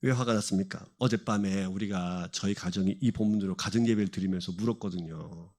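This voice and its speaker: A man's voice: deep voice, brisk, darkish tone. A middle-aged man preaching a sermon to a congregation, asking them questions and answering them himself. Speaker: pastor. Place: church sanctuary.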